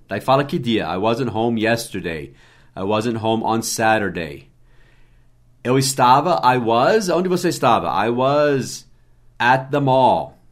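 A man with a Brazilian Portuguese accent teaching basic English in a podcast lesson, spelling words letter by letter and repeating the pronunciations slowly. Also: medium pitch.

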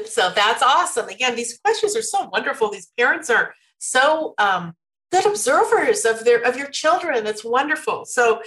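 A woman giving parenting advice in a relaxed conversation, laughing often and slipping into a sing-song tone when acting out what parents can say. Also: a little high, normal speed, rough recording. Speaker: parenting expert guest.

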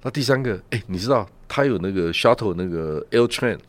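Guy on a radio chat, lowish voice but swings up and down a lot, keeps asking "right?" as he tells his stories. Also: lively intonation, fairly quick, no echo. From Taiwan. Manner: storytelling, peppers talk with rhetorical "right?" and "ha". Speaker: guest commentator.

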